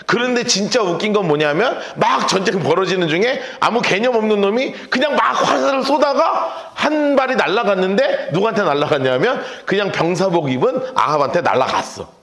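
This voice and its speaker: A pastor leading a lively Bible study lecture, acting out scenes and shouting the quotes. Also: male voice, high voice, brisk, hardly any pauses, roomy sound. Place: church hall.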